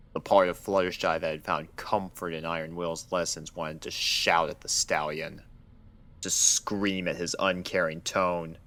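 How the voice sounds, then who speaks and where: A man narrating a dark fan fiction story in a measured, restrained storytelling manner. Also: sits low.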